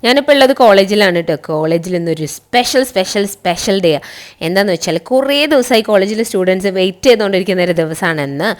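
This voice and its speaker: A college teacher with a Kerala accent narrates a relaxed, chatty vlog in Malayalam sprinkled with English words. Her voice is medium-pitched with lively intonation, she talks fast, and she keeps addressing viewers with frequent tag words.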